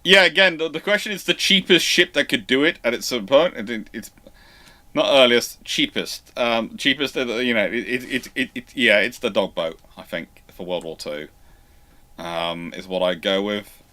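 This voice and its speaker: A man hosting a live question-and-answer session, answering off the cuff in a halting way, often restarting his sentences as he thinks aloud. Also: medium pitch, bright, forceful tone. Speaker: host of naval history live Q&A.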